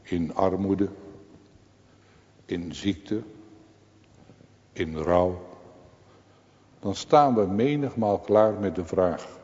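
A man preaching a sermon in a solemn, slow and deliberate way, his voice sometimes rising to fervent cries. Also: low voice, dark tone. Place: church. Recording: dull lo-fi church recording with long reverb.

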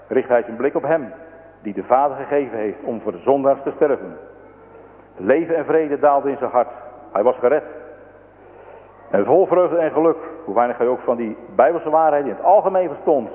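A man's voice: mid-range voice, narrow, tinny audio. A man narrating a religious story in a solemn, preaching manner. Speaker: story reader. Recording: thin echoing radio broadcast.

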